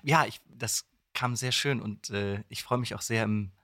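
A man's voice: on the low side, a little slow, sharp tone, no room sound, clean studio sound. A young man chatting casually as a podcast guest, modest and easygoing. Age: young adult. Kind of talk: casual interview chat.

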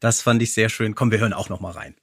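A man's voice: fairly low pitch, fast, fairly bright tone, breathy edge. A man co-hosting a podcast, chatting and recapping in an informal, appreciative way. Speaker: podcast co-host. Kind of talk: casual review chat with recapping.

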